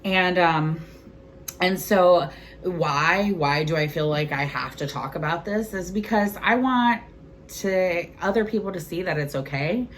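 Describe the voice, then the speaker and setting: Woman in her 40s, pretty low voice, casual candid cooking vlog chat, bit of background noise. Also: unhurried. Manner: candid, conversational.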